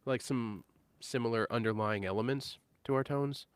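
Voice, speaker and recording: A man in his late thirties hosting a casual live-stream chat about guitar tones, easygoing and quick to laugh. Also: medium pitch, clean tone, no room sound. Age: 30s. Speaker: host.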